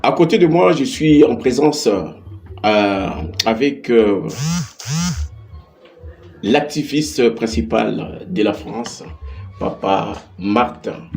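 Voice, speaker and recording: A man's voice: medium pitch, lively intonation, takes it slowly, gravelly, long pauses, a little mellow, soft background music. A man with a Congolese accent hosting a conversational interview, speaking hesitantly and often repeating his words. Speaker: interviewer, host.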